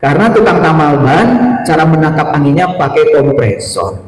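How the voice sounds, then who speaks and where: A middle-aged man giving a sermon lecture as an Islamic teacher, speaking in a deliberate, didactic way with rhetorical questions and repetition. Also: a little high, lively intonation. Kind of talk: sermon lecture to a live audience. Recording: echoey hall with long reverb.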